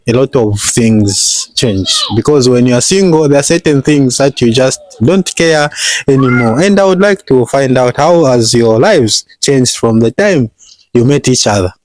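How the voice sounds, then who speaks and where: Man, vlog interviewer, casual chat, animated rising and falling voice, winding questions, dry close sound. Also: medium pitch, unhurried, no echo. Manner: lively, laughs often, questions in long winding sentences. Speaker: vlogger interviewer.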